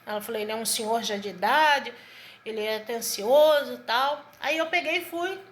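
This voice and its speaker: Woman, middle-aged, high voice, church testimony, animated storytelling, acts out dialogue. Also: normal speed. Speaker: church member giving testimony. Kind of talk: personal testimony to a congregation.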